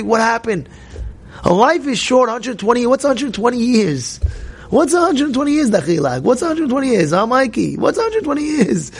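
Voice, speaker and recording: Rabbi, male, high-pitched with a gravelly edge, preaching hard and repeating himself for emphasis. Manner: rises to emphatic near-shouts, repeats key phrases, asks and answers himself. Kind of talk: energetic Torah class.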